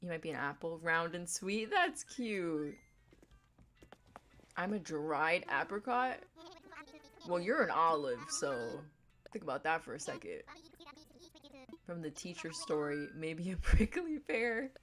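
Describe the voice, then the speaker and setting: A young woman with a deep voice chatting casually on a gaming livestream, rambling in a playful, laid-back way. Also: very animated, slow, pauses often, a bit bright. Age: young adult.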